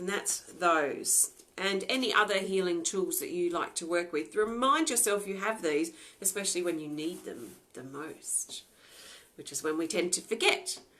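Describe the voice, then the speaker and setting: A woman with an Australian accent speaks at a moderate pace in a bright, sharp tone of medium pitch, with lively intonation and big swings in loudness. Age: 40s. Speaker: spiritual healing teacher. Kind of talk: live-streamed spiritual talk. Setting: live video stream. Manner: reflective, some hesitation.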